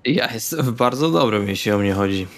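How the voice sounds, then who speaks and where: Male RPG player, lowish creaky voice, wry laid-back banter. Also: lively intonation, fairly quick. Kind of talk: casual in-character banter.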